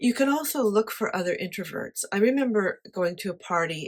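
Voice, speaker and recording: Soft-spoken and at a moderate pace, the speaker talks with a Canadian accent. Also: woman. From Canada. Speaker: artist and vlogger. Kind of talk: casual vlog talk. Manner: conversational with fillers.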